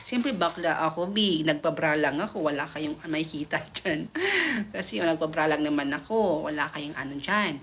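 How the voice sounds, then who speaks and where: A man's voice: a little high, normal speed, a bit bright, slight background noise. A gay man of twenty-one, host of a livestream, rambling through a story to his viewers with many fillers and restarts. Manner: camp, calls viewers "bakla".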